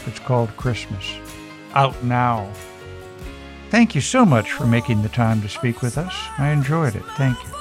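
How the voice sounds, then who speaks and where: A man's voice: medium pitch, lively intonation, moderate pace, over music. A man hosting a radio interview, asking curious, friendly questions. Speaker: radio host.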